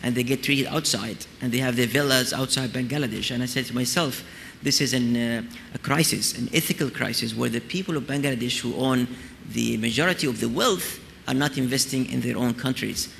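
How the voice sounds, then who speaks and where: A man with a bright, forceful and creaky voice answers from a conference panel. He is earnest and articulate, speaking off the cuff in a reverberant hall with noise around him. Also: medium pitch, brisk. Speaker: conference panelist, healthcare executive. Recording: very echoey hall, clear background noise.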